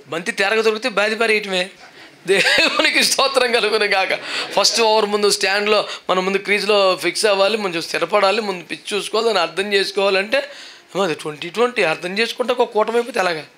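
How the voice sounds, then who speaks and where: A man preaching a lively sermon, animated and mixing in English words, sometimes shouting praises. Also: high-pitched, quick pace. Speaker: pastor. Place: church service.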